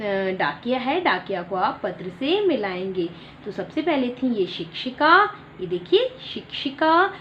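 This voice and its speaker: High, lively woman teaching young children. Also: highs cut off, slight background noise. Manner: slow, drawn-out syllable-by-syllable dictation for young children; addresses children warmly, explaining words simply. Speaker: primary school Hindi teacher. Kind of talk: online children's lesson.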